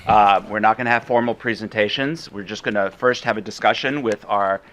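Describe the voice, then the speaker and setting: Man, panel moderator, halting, bright forceful tone. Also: fairly low pitch, steady tone. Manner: halting, restarts and fillers.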